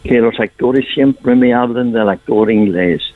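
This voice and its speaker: A man's voice: mid-range voice, measured pace, no room sound. An older male actor talking with a foreign accent in Spanish, thoughtful and anecdotal as he answers. His voice comes through a thin, tinny phone line. The sound is dry, with no room around it. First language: not Spanish. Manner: thoughtful, storytelling, slightly non-native Spanish phrasing. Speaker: stage actor, guest. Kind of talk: radio interview answers.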